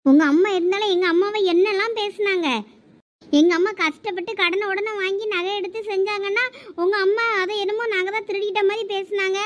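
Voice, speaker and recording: A woman's voice: extremely high pitch, fairly even intonation, a little fast, highs cut off. A woman voicing bickering young village wives in a comic cartoon family drama, with a Thoothukudi Tamil accent and a quarrelsome, complaining manner. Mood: annoyed. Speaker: cartoon voice actor.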